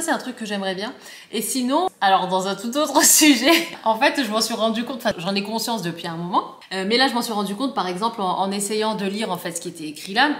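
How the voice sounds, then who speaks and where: A young woman with a northern French ch'ti accent, chatting casually on a vlog and rambling with lots of fillers and restarts. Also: mid-range voice. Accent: Picard (ch'ti), northern France. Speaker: vlogger. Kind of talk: casual chat to camera. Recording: echoey room.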